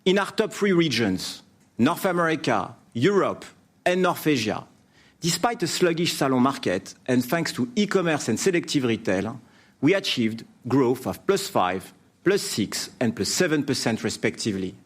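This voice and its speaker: A man delivering a formal, prepared business presentation as a company executive, in measured scripted phrases. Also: mid-range voice, very animated, slightly rough. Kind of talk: prepared earnings presentation speech.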